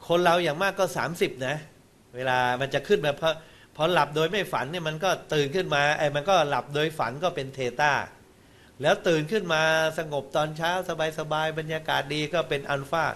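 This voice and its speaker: A man with a fairly high voice gives a televised Buddhist dharma talk. He explains in a teaching manner, breaking into exclamations and sprinkling in English terms. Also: brisk, fairly bright tone.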